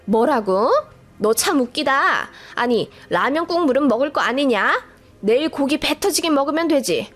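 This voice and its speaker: A woman's voice: high voice, expressive, normal speed, a bit bright, soft background music. A woman voicing a harsh, scornful older mother-in-law who scolds sharply. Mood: contemptuous.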